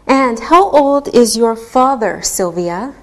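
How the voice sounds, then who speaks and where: A woman teaches an English lesson with patient, careful delivery. She speaks at a very slow, deliberate pace, and every word comes out clear and unhurried. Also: on the high side, expressive. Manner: patient, deliberate, spells things out step by step.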